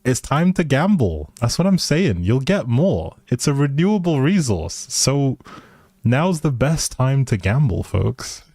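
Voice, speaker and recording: A man's voice: medium pitch, very animated, measured pace, a little mellow, dry recording, clean studio sound. A man livestreaming a game with casual, playful, teasing chat to his viewers.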